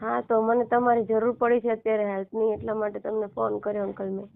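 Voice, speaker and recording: A woman in her thirties from Gujarat with a Gujarati accent, explaining haltingly and repetitively as a caller seeking help. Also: fairly high pitch, flat delivery, creaky. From Gujarat, India. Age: 30s. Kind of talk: casual phone conversation. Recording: narrow, muffled phone-call line.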